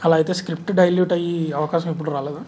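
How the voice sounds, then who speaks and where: Quick, husky-voiced man asking follow-up questions as an interviewer. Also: fairly high pitch, steady tone, warm tone. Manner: probing, follows up on each answer. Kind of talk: casual interview chat.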